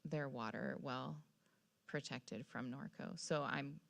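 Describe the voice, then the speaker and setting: A woman's voice: very deep voice, slow, vocal fry. An American woman speaking as mayor at a council meeting, plainly and carefully restating and checking each point. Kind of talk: formal public meeting discussion, plain-spoken. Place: council chamber, public meeting.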